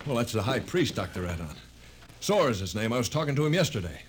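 A man's voice: mid-range voice, very animated, fast, background noise, lightly acted. An actor playing a polite, persistent male reporter, courteous and probing, in 1950s radio drama style. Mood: earnest. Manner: courteous, inquisitive.

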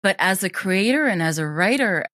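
A woman's voice: mid-range voice, animated, normal speed, a bit bright, dry recording, clean studio sound. A woman from Sweden, chatting enthusiastically and casually as an interview guest. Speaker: interview guest, drama teacher and audio drama creator. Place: at home, remote interview.

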